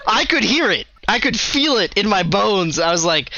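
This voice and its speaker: A man's voice: high-pitched, sing-song, normal speed, bright, forceful tone, dry recording, lo-fi sound. A man running a tabletop game as game master, joking and laughing loosely between scenes.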